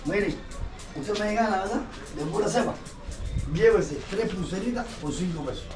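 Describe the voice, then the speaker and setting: A man, an artist insistently pitching his work to visitors outdoors. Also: lively intonation, moderate pace, music in the background. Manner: insistent, salesman-like. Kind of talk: sales pitch. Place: outdoors in a street gallery. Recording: noisy outdoor ambience.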